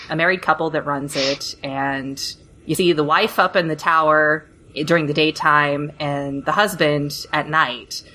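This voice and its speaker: A woman speaking as a panelist in a casual podcast discussion, halting and thoughtful as she explains. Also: sits low, bright, forceful tone. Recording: slightly noisy hobby podcast.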